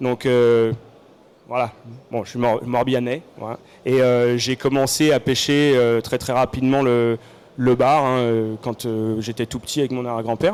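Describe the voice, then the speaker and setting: Speaking at a fairly slow pace, a man holds a medium pitch in a monotone, flat intonation. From Brittany, France (Morbihan, Vannes). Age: 30s. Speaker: schoolteacher and fishing guest. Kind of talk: interview. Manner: halting.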